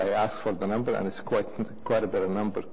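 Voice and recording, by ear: A man talks at a fairly low pitch with vocal fry.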